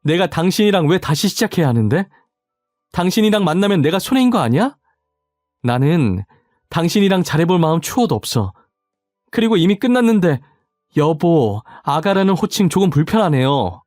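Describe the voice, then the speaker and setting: A man's voice: on the high side, big pitch swings, normal speed, a little mellow, dry recording, clean studio sound, soft background music, pitched above the performer's own voice. A man voicing a young woman who firmly and curtly rejects her ex-husband. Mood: cold. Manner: cold, curt. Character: cool, firm young woman, the storyteller.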